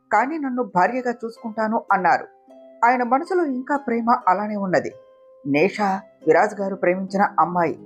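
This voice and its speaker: A woman's voice: mid-range voice, dull audio, close to an everyday voice. Woman voicing a self-sacrificing tearful young wife. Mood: anguished.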